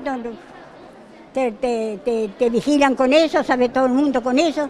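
Against crowd noise in the background, a woman with a high pitch speaks at a moderate pace with fairly even intonation. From Argentina. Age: old. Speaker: folk healer. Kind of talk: interview answer. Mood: cheerful, chatty. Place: hall. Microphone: handheld.

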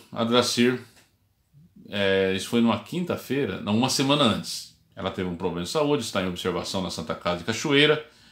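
With lively intonation and medium pitch, a man talks fairly quickly, with audible room echo over a quiet background. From Brazil, São Paulo state interior (Vale do Paraíba); São Paulo state, Brazil. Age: 50s. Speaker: teacher and local historian; teacher. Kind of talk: memorial tribute livestream talk. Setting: Facebook live from home study. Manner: hesitant, with many fillers. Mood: reverent, reminiscing. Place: home room. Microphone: webcam.

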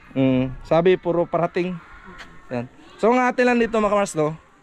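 A man with a high pitch talks at a fairly quick pace, his voice swinging very widely in pitch against light background noise. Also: long, frequent pauses, dry sound with no echo. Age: 30s. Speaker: vlogger. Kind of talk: vlog walkthrough. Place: open country. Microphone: phone near.

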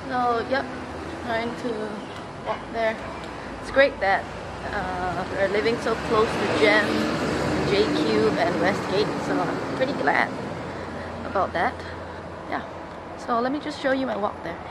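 Fairly slow speech with long, frequent pauses over loud background noise. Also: woman, ordinary pitch variation. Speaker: vlogger. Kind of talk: casual vlog chat. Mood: relaxed, cheerful. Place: street. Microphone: phone near.

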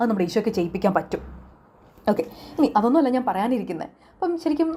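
With a dark, mellow tone, a woman talks at a high pitch. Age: 30s. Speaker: college teacher giving faith testimony. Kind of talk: testimony.

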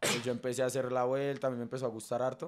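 A man speaks at a medium pitch. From Bogotá, Colombia. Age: young. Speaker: rapper; podcast guest. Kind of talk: casual chat. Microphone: studio mic.

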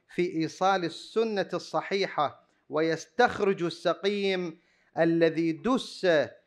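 Speaking at a very slow pace, a man uses a high pitch and fairly even intonation against a quiet background. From Iraq, Karbala; Iraq. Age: 40s. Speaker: religious researcher. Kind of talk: conference paper presentation. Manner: formal. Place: hall. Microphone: podium.

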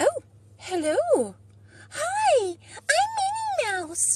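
A female-sounding voice puts on a character with extremely high pitch. She speaks at a very slow pace. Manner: sweet, cheerful.

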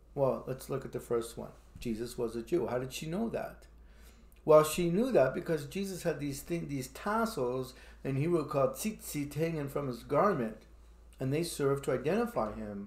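A man speaks at a moderate pace, sounding somewhat breathy. Audible room echo surrounds his voice. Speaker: preacher. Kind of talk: sermon. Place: home room.

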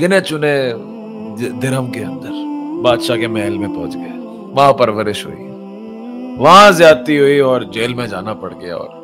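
Against clear music in the background, a man talks at a medium pitch. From Pakistan. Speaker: Islamic motivational speaker / teacher. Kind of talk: Islamic motivational sermon. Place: studio. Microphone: studio mic.

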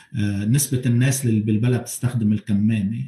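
A man speaks at a moderate pace with fairly even intonation. Audible room echo surrounds his voice. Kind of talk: lecture. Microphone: webcam.

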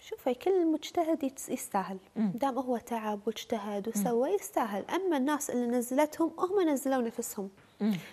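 A woman at a high pitch with a dark, mellow tone, very wide pitch swings and very even loudness, at a fairly slow pace with hardly any pauses. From Kuwait. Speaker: fashion influencer. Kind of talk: casual talk show interview. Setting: studio with audience. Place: studio. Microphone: lapel.

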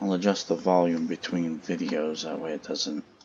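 Noticeable background noise fills the recording. The speech moves at a moderate pace. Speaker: gameplay commentator. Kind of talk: casual gameplay commentary.

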